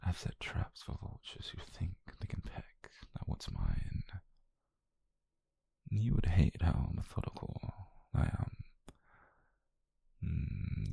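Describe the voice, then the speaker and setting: A British man playing an obsessive, possessive mafia boyfriend, calm and dangerous, in a slow, controlled, breathy half-whisper for an intimate ASMR roleplay. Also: deep voice, no echo, heavily acted. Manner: slow, controlled, menacingly tender murmur. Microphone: close microphone, dry.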